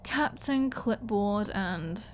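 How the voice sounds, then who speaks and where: Woman playing a slow-talking, snarky vampire woman. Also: medium pitch, lively intonation, a little hiss or hum. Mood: defiant, mocking. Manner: sarcastic, teasing, playful. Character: flirty, snarky, defiant female vampire. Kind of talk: scripted ASMR audio roleplay.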